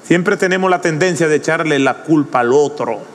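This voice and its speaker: A man preaching a sermon with impassioned fervor, his delivery swelling into shouted pleas. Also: fairly high pitch, normal speed, slight background noise. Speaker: pastor. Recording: long reverb of a large hall.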